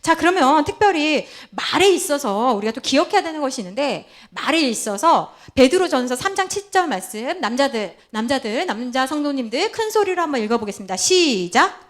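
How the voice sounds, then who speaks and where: Animated, high-voiced woman pastor. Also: brisk. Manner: playful, laughing often, quizzing the congregation by name. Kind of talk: lively interactive sermon with role-play. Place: church sanctuary.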